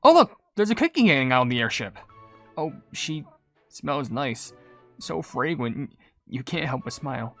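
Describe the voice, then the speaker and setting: A young gingerbread hero read aloud by a man from a cute fantasy game. He sounds friendly and full of curiosity, speaking softly low over music. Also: wildly swooping pitch, very fast, few pauses. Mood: wondering.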